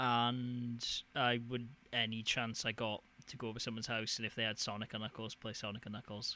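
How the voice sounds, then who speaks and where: Speaking fairly quickly with a Welsh accent, a man uses a bright, sharp tone and monotone, flat intonation in a very clean recording with a silent background. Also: medium pitch for a man. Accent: Welsh lilt. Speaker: video game podcast host. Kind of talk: casual chat.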